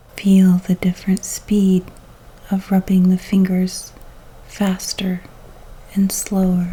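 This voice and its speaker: A woman's medium-pitched voice, very slow, monotone and flat, with long, frequent pauses and noticeable background noise. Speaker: wellbeing guide. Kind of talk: guided grounding meditation. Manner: calm, lowered tone; slow, soft-spoken.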